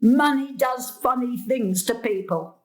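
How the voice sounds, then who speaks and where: A woman's voice: fairly high pitch, measured pace, close to an everyday voice. An actress playing a mischievous, sarcastic old grandmother who needles her family in a stage comedy-drama. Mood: indignant.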